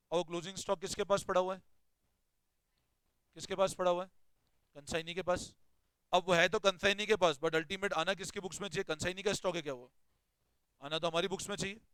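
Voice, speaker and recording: A man's voice: sits high, a bit bright, clear, resonant tone, no echo, poor audio. A man teaching an accounting class, explaining step by step and questioning his students as he goes. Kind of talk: classroom lecture.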